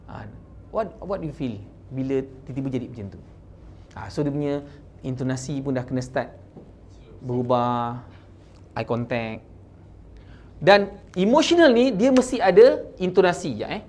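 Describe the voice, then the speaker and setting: A man with a Malaysian accent runs a sales training talk for insurance agents, mixing English terms into his Malay and often checking in with "kan?" with lively stresses. His mid-range voice moves at normal speed with frequent pauses, and there's a little hiss or hum.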